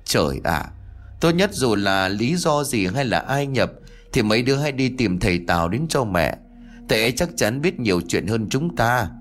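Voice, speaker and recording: A man's voice: medium pitch, sing-song, normal speed, lightly acted. A man voicing a worried old grandmother who heads the family, weary and scolding.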